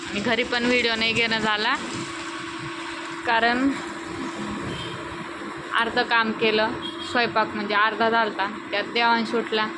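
A young woman talks to her viewers on a phone camera in a small shop, chatty and frank about her busy day. Her voice sits a little high, and the sound of vehicles on a nearby road comes through clearly. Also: level tone, unhurried, pauses often. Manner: chatty, scolding and coaxing her children. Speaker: vlogger, mother of two small children. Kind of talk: casual family vlog chat to viewers. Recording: phone audio with clear traffic noise. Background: traffic noise from the road.

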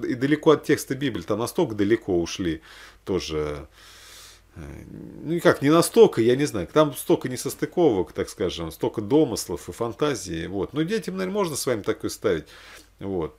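Low-voiced, gravelly middle-aged man rambling. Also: darkish tone. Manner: rambling, repetitive, often hedging and correcting himself. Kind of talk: informal commentary to camera, unscripted. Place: small room indoors at home.

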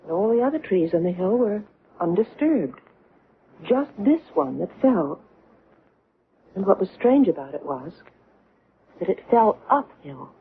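An actress playing an earnest, haunted middle-aged woman in a vintage radio drama, recalling strange things in hesitant, deliberate, broken phrases. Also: mid-range voice, big pitch swings. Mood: earnest, remembering. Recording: noisy, tinny old radio recording.

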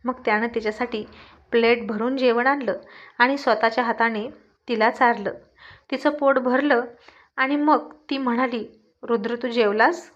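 A woman storyteller reading a love story aloud in an even storytelling manner. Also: a little high, normal speed. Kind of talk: storybook narration. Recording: dull lo-fi recording.

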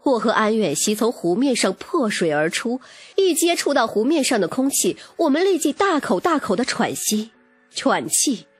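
A woman's voice: fairly high pitch, big pitch swings, moderate pace, husky, no room sound. A woman reading a romance novel as dramatic, scripted first-person narration. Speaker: audiobook narrator. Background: music.

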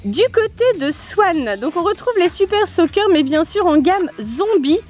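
A woman's voice: very high-pitched, expressive, moderate pace, a little mellow. A mother hosting a family vlog outdoors by a garden pool, presenting water toys in a playful, teasing way and laughing often. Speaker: mother and channel host. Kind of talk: toy review vlog narration.

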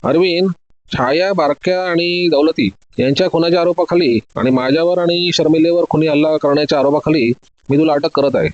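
A man voicing a calm, confident male detective who lays out his case methodically in an audio story. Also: fairly high pitch, fairly quick, no echo, highs cut off, close to an everyday voice. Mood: accusing.

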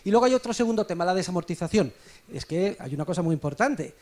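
A man with a high-pitched voice gives an explanation at a conference. He is emphatic and didactic, like an economist making his case. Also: expressive, fast, a little mellow. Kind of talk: explanatory speech at a conference debate.

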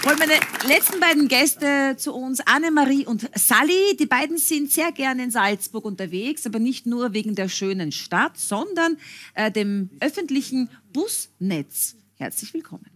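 A woman's voice: high-pitched, expressive, moderate pace, a bit bright, a faint crowd, a little hiss or hum. Chatty woman talk show host. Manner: chatty, encouraging. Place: TV studio.

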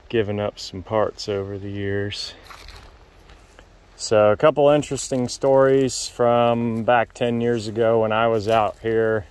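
A man strolls through an outdoor lot, giving a matter-of-fact tour in a smooth, resonant voice that sits a little low. He talks slowly, with plenty of room between his remarks. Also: dry recording. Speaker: vlogger touring a car lot. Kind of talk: casual walk-around tour narration. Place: outdoors on a wooded car lot.

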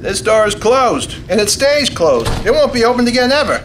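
Male actor as bullying, cowardly husband, agitated and insistent; extremely high, swooping voice. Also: sing-song, moderate pace, background noise. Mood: stubborn, defiant. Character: cowardly, stubborn, bullying middle-aged husband. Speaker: actor in a staged radio play. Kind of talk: radio play acting. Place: theater stage. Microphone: stand microphone. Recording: music behind, live stage.

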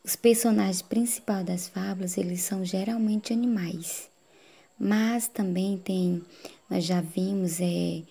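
A woman teacher giving a recorded lesson to adult students, explaining slowly and checking in with frequent tag questions. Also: lowish voice, gravelly, dark tone.

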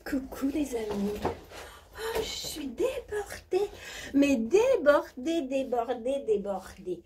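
A woman voicing a posh, rich female jet-setter who talks in a high, breathless, gushing way. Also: big pitch swings, slow, warm tone, faint music behind, full character voice.

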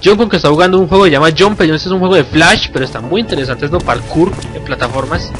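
A young man with a Colombian accent giving excitable let's-play commentary at his computer, yelping and swearing at scares. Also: a little high, rapid-fire. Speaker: gamer. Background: game music.

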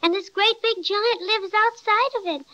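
A woman's voice: very high-pitched, moderate pace, pushed and bright, lo-fi sound. A woman voicing a timid little black female kitten who is scared of everything, in a fretful, whimpery way, in a 1930s radio play. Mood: frightened. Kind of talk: 1930s radio drama acting.

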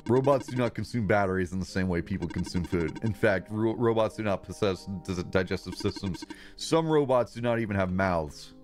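A man voicing a prim, pedantic robot that corrects facts in a slow, deliberate, matter-of-fact way. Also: sits low, darkish tone, faint music behind, natural voice. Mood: corrective.

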